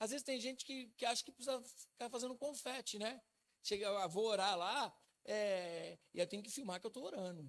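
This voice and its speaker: A man with lively intonation. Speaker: apostle preaching a sermon. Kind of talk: sermon.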